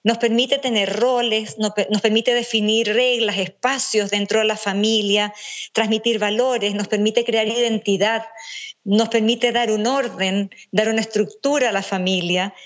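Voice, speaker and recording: A woman from Venezuela with an accent blended by years in Chile, explaining family nutrition in a measured, structured way as an interview guest. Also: medium pitch, dull audio. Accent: Venezuelan mixed with Chilean. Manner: measured, structured, lists points. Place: speaking remotely from home.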